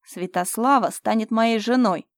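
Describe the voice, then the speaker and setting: Brief: woman playing a loud, menacing male usurper, harsh and overbearing, dry close sound. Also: lowish voice, fast talker, no room sound, lightly acted. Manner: shouting, threatening. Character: cruel domineering young man, menacing usurper.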